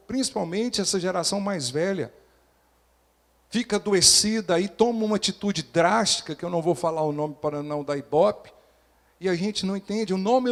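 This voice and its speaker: A pastor preaching a sermon, animated, acting out quoted voices and questioning the congregation. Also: male voice, sits high.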